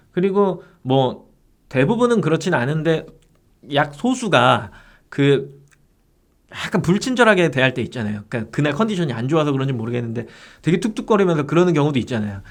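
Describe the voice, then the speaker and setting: A male instructor leads a casual live lesson for online sellers. His voice sits a little higher than most men's. He keeps it conversational, checking in with quick tag questions. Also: animated. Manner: chatty, rhetorical tag questions.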